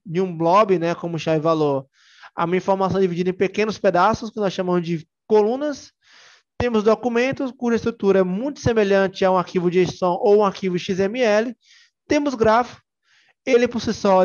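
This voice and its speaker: Chatty Bahian man, high voice, muffled sound. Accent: Bahian Brazilian Portuguese. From Salvador, Bahia, Brazil. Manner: chatty, joking, frequent fillers and restarts. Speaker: tech conference speaker. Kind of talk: casual technical talk.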